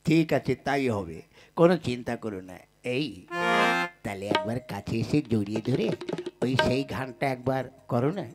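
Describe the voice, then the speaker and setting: A man's voice: medium pitch, animated, normal speed, over loud music, lightly acted. A man playing a henpecked, boastful young labourer in love in a Bengali folk puppet comedy, with wheedling, blustering patter.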